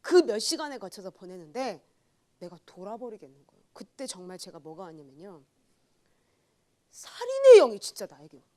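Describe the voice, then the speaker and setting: A young woman junior pastor giving a sermon with a personal testimony, telling it with loud outbursts and hushed asides. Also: mid-range voice, moderate pace. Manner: animated storytelling, swings between loud outbursts and hushed asides.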